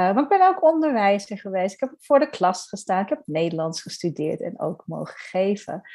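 A woman speaks at medium pitch in a dark, mellow tone. Her very wide pitch swings come at a moderate pace with hardly any pauses. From Netherlands. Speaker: coach for office assistants. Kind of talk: interview.

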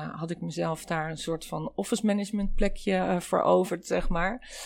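A woman has an unremarkable speaking voice at medium pitch. She talks at a moderate pace. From Netherlands, Lisse (South Holland). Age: 50s. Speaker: regression therapist. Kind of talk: conversational interview. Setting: kitchen table at home.

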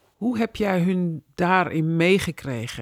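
A woman speaks with ordinary pitch variation. The recording is very clean with a silent background and a dry, close sound with no echo. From Suriname. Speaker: podcast host. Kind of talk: interview conversation.

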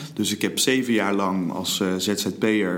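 Noticeable background noise and audible room echo surround a man whose fairly low pitch moves with ordinary variation. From Limburg, Netherlands. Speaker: podcast host and speaking coach. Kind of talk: interview. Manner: animated.

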